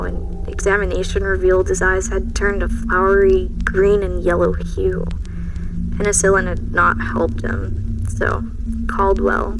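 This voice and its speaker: A woman playing a haunted train passenger in an audio drama, recounting her dread in a measured, brooding, literary way with lingering pauses. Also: mid-range voice, poor audio. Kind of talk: scripted audio drama monologue. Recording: music behind the voice.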